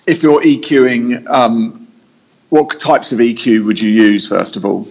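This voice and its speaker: A man's voice: mid-range voice, steady tone, a little slow, vocal fry, a little mellow, slightly rough, lo-fi sound. A man hosting a casual technical podcast, talking in a conversational, explanatory way from an echoey meeting room. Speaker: podcast host and audio engineer.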